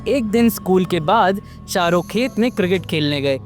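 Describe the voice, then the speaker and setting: High-pitched guy telling a spooky story, dramatic, soft music behind. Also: expressive, moderate pace. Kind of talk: scripted horror story narration.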